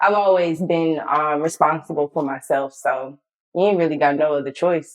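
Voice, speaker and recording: The speaker, with a North Carolina accent, keeps a fairly even intonation. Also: woman, very deep, low pitch for a woman, moderate pace. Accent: North Carolina, noticeable. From eastern North Carolina (Kinston). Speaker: filmmaker. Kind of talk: casual chat.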